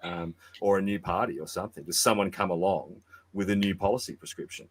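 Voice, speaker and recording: Give me a sardonic Australian man debating, with a deep voice and a dry close recording. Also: steady tone, fast, dry recording. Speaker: debate guest. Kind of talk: heated podcast debate.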